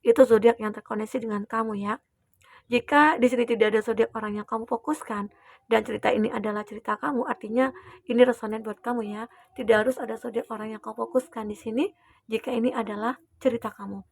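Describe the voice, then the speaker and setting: A young woman giving a gentle, reassuring collective tarot reading, with frequent fillers and tag questions. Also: a little high, fairly even intonation, fast talker. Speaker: tarot reader.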